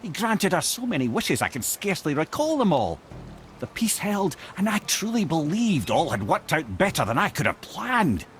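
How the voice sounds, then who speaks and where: An actor voicing an eloquent, wry old Scottish sage, telling stories in a theatrical, measured way as a video game character. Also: male voice, fairly high pitch, big pitch swings, a bit bright, soft background music. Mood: fond, storytelling. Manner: theatrical, wordy, measured storytelling with wry asides. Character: wry, eloquent old male sage and former royal advisor, storyteller.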